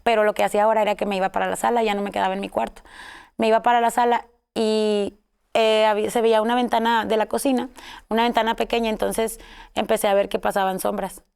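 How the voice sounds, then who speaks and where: A woman's voice: medium pitch, level tone, fast talker, vocal fry, a little mellow, clear, resonant tone. A woman with a Mexican accent, telling her own story in a casual interview, rambling with many fillers and self-corrections. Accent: Mexican Spanish.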